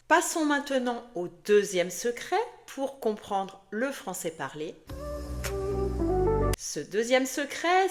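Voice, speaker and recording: A woman teacher walks a learner through spoken French in a slow, deliberate lesson. Her voice sits a little high and moves lively up and down. Her delivery is upbeat and instructive. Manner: slow, clear, addresses the learner directly. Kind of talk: scripted language lesson.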